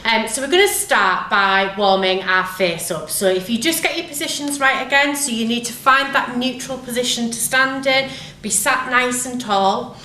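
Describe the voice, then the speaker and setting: A woman drama teacher guiding a physical warm-up step by step, with simple, repeated, encouraging instructions. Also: a little high, normal speed, a little hiss or hum. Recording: echoey room, distant microphone.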